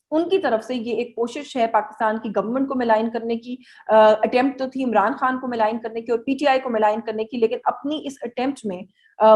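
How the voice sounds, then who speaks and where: A Pakistani-accented woman speaks as a journalist analysing the news for viewers. Her voice sits fairly high. She explains step by step, pausing and hesitating as she goes, and drops English terms into her sentences. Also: a little mellow. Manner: hesitant, halting explanatory delivery with English words mixed in.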